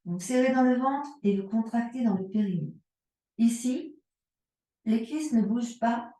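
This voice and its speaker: A woman yoga instructor talks a class through breathing and leg work, in a slow, unhurried way. Her voice is soft and warm, a little higher than most. She sounds set back from the mic in a very echoey room. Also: distant mic. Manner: slow, calm cueing of breath and movement. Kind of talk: guided yoga and strengthening class.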